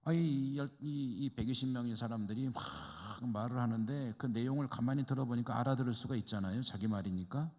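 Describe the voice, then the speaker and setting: In an echoing church hall, a Chungcheong-born pastor teaches a Bible class in a conversational style, tossing rhetorical questions to his students. He speaks at a medium pitch, a little fast with few pauses, and sounds a little mellow.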